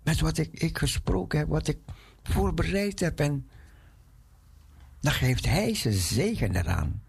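A man preaching a sermon in a halting way, often repeating his phrases. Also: fairly high pitch, animated, gravelly, a little mellow, husky.

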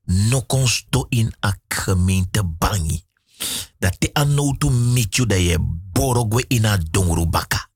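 A man, talking slowly in a preaching tone on Christian radio. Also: lowish voice, expressive, a little mellow, husky, dry recording, studio quality.

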